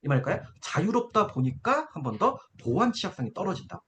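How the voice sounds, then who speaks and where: A high-voiced man lectures an exam-prep essay class, his pitch bouncing up and down as he explains. He keeps pausing to ask whether the students follow, over a faint hiss of background noise. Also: very animated, fairly bright tone. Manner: coaxing, keeps checking in with students. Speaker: essay-writing instructor.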